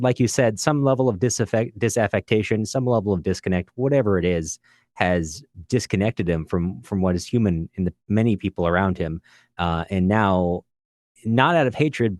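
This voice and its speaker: A man's voice: on the low side, a little mellow, no room sound, studio quality. A man co-hosting a podcast in casual book discussion, agreeable and reflective, building his points piece by piece. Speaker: podcast co-host.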